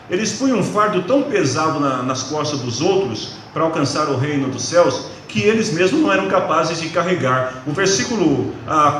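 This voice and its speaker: A high-pitched man preaching, moving between forceful emphatic bursts and quiet asides. His voice sounds far from the mic and bounces around a reverberant church sanctuary. A faint hiss sits behind him. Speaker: pastor. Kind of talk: evangelical sermon.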